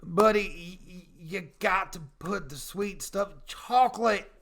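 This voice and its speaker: A man with a high, bright, forceful voice gives casual comic advice on a podcast. He is blunt and folksy, and he swears freely as he talks. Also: measured pace, creaky. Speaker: comedy advice podcast co-host.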